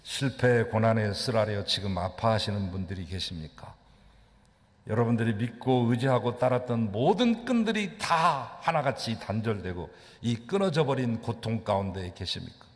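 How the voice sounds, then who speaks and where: A man's voice: expressive, normal speed. A man preaching a sermon as pastor, telling the story dramatically with sudden rises and drops in his voice. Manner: dramatic storytelling with sweeping pitch leaps. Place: church sanctuary. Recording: long church reverb.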